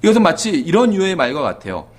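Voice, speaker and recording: A male pastor preaching in a brisk, conversational way, with his voice swinging high and low. He keeps checking in with the congregation and lets phrases fade to a quiet low finish. His voice sits a bit higher than most men's. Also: wildly swooping pitch. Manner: conversational preaching, often asks the congregation "그렇죠?"; drops to a soft low voice at the ends of phrases. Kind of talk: sermon.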